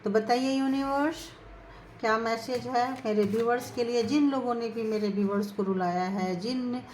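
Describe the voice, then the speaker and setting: A woman's voice: on the high side, fairly even intonation, moderate pace, a little mellow, echoey room, slight background noise, low-quality recording. A woman hosting a casual tarot reading for her viewers, talking in a chatty, coaxing way and checking in with them often. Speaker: tarot reader, channel host.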